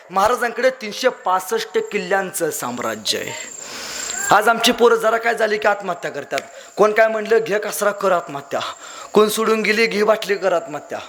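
A man's voice: extremely high pitch, bright, forceful tone, a little hiss or hum. A young man telling a dramatic story as a public speaker, declaiming and repeating phrases for emphasis. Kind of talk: fiery storytelling speech.

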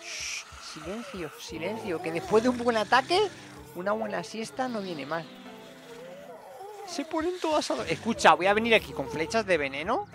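A young man giving excitable let's-play commentary and talking to his viewers. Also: high voice, moderate pace, vocal fry, music in the background. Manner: excitable, talks to viewers as "gente". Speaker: gaming streamer.

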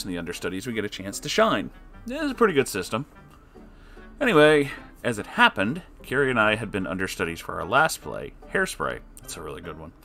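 Reading an online story aloud, a man in the role of story reader slips in sarcastic comments aimed at the listener. His voice is on the low side, lively, and shifts between loud and soft.

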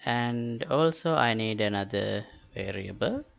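A man walks through a software tutorial, slowly and haltingly. His voice has a creaky edge and stays matter-of-fact. The recording is dull and lo-fi. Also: mid-range voice, expressive. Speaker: tutorial host. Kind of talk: step-by-step software tutorial narration. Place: indoors, screen-recording voice-over. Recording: dull lo-fi voice-over with clicks.

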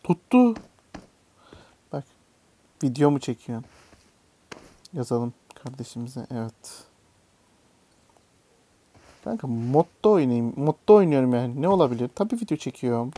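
With a fairly high, mellow voice, a young gaming YouTuber mutters to himself as he plays a mobile game, offering casual commentary and letting out swears or yelps when jumps fail.

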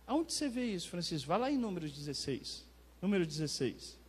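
Brazilian pastor guy, pretty high voice, preaching hard, long echo from the church hall. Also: big pitch swings, brisk, husky. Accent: Brazilian Portuguese. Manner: emphatic preaching, swells loud on key phrases, talks directly to congregants. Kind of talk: sermon.

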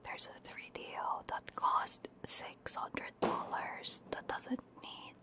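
A woman streaming ASMR, chatting casually in a soft, hushed, breathy whisper close to a binaural microphone while sick with a cold. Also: takes it slowly. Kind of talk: ASMR, casual livestream chat. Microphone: close binaural ear microphone.

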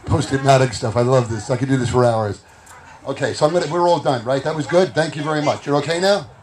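A man's voice: medium pitch, quick pace. A man working as a stage hypnotist at a live comedy show, playfully teasing volunteers and repeating his words, recorded in a party tent. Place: inside a party tent, outdoors event. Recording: noisy party tent on camera microphone.

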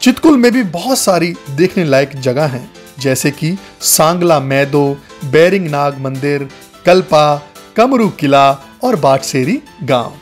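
A man's voice: fairly high pitch, expressive, a little slow. A man narrating a travel guide as a scripted voice-over, speaking to viewers as friends. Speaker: travel vlogger. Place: voice-over, not recorded on location. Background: faint background music.

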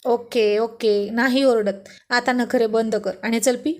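A woman's voice: a little high, fairly even intonation, takes it slowly, a little mellow. Woman voicing a bossy doting young husband.

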